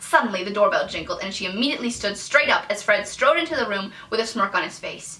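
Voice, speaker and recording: With an American accent, a woman uses a raised, projected voice at a fairly quick pace. Noticeable background noise and audible room echo fill the recording. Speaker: YouTuber reading her old fanfiction. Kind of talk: reading aloud with commentary.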